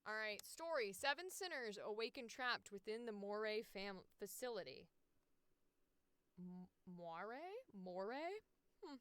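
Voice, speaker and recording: A woman hosting a livestream, chatting casually and reading aloud in an expressive, excitable, blunt way. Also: medium pitch, unhurried, smooth. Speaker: livestream host and voice actor.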